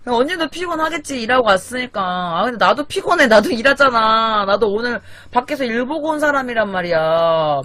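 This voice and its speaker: Speaking into a desk mic in her small apartment at night, with her sister asleep in the loft, a young Korean live streamer curses casually and vents, sounding exasperated. Her voice is on the high side, a bit bright and expressive, and she talks briskly with hardly any pauses.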